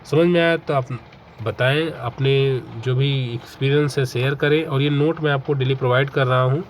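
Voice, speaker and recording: A man's voice: mid-range voice, fairly even intonation, normal speed. A young man teaching an exam-prep grammar lesson, explaining step by step, asking questions and answering them himself, mixing English terms into his talk. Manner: mixes English terms into Hindi. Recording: faint background noise.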